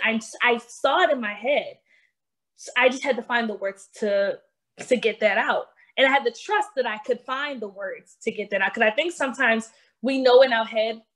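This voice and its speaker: A woman writer-director with a fairly high voice, talking earnestly and with warm encouragement. She drives her points home by repeating them, in a casual panel style. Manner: earnest, encouraging, repetitive emphasis.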